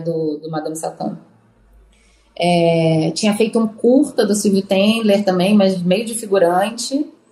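A normal speaking voice from a woman, medium in pitch, with ordinary pitch variation and a moderate pace. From Brazil, Alagoas (Maceió). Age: 40s. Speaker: actress. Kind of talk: casual interview.

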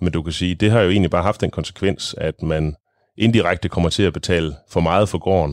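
A man's very deep, low voice at a fairly quick pace, ordinary pitch variation, dry and close with no echo, on a very clean recording with a silent background. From Jutland, Denmark (near Vejle). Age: 40s. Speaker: pig farmer. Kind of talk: interview. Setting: on his farm, partly outdoors in the fields.

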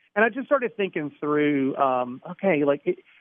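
With an ordinary speaking voice, a man talks fairly quickly at a fairly high pitch and ordinary pitch variation. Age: 50s. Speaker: author and parenting speaker. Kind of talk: radio interview. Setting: phone call.

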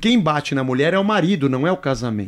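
Music runs in the background behind a man. His fairly high voice moves in very wide pitch swings. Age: 50s. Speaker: musician. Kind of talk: casual chat.

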